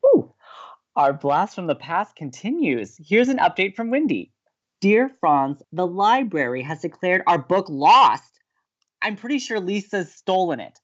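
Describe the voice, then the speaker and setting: An actor playing a romantic, excitable young man who co-hosts college radio in an audio drama, earnest and expressive. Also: sits high, a little slow, dull audio, exaggerated voice. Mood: excited, playful. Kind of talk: naturalistic audio drama acting.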